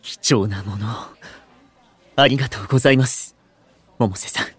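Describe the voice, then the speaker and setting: An actor playing a courteous, bookish young food streamer in an audio drama, speaking in formal, literary, gentlemanly phrases. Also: male voice, medium pitch, moderate pace, breathy edge, dry recording. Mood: appreciative. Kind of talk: Japanese audio drama acting.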